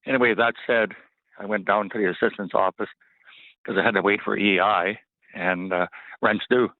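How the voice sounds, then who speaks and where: A man calling in to a radio show, telling his story in a halting, emotional way with many restarts. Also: fairly low pitch, steady tone, dry recording. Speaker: caller. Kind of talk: call-in storytelling. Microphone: telephone. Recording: tinny phone line.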